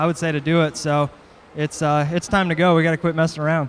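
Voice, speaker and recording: A man's fairly high voice at a fairly quick pace. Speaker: pro flat track rider. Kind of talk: podium interview. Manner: casual, relaxed. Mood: determined, upbeat. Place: stadium. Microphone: handheld.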